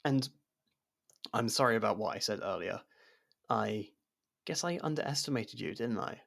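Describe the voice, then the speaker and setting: A man acting a guarded, blunt convict who helps with an investigation, in a conversational ASMR roleplay with hesitant pauses. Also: lowish voice, animated, gravelly, a bit bright, exaggerated voice. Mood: sheepish, guarded. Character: jailed man helping an investigator, guarded, blunt, wryly supportive. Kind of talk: ASMR roleplay audio drama.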